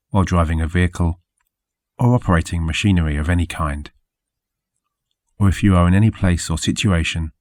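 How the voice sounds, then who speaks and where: A man narrating a scripted guided sleep meditation as a hypnosis guide, soothing and measured, with deliberate phrasing. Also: deep voice, darkish tone, dry recording, clean studio sound.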